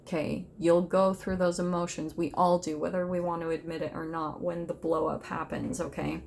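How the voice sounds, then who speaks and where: A woman's voice: on the low side, flat delivery, moderate pace, gravelly, darkish tone, slight background noise. A woman giving a casual, unscripted tarot reading, talking informally and directly to her viewers with emphatic, conversational phrasing. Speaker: tarot reader, host of an online reading.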